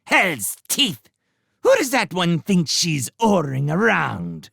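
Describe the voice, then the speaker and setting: A man's voice: high voice, big pitch swings, gravelly, dry recording, studio quality, pitched above the performer's own voice, exaggerated voice. A man doing a blustering rat herald. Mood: indignant. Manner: loud drawn-out proclamations.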